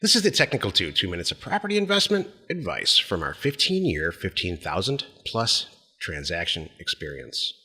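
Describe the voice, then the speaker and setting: A man's voice: low voice, wildly swooping pitch, moderate pace, bright, forceful tone, breathy edge, in a large hall. A middle-aged American man co-hosting a podcast, chatting casually about business in a blunt, plain-spoken way. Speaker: podcast co-host.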